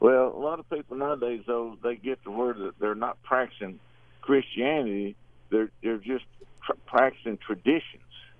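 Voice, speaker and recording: A man speaks in a normal speaking voice at a medium pitch. His pace is moderate and his pitch variation ordinary. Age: 60s. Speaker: caller. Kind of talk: casual chat. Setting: phone call.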